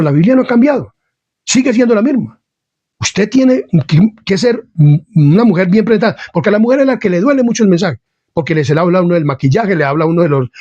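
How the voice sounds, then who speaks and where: A man with a high voice for his sex preaches an informal sermon straight to his viewers, blunt and hard in delivery, and he keeps calling his listener dear friend and brother. The sound is dry and close, with a slightly dull, lo-fi tone. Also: husky, no echo. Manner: insists he is not angry while speaking forcefully. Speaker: lay preacher. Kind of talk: informal sermon to an online channel.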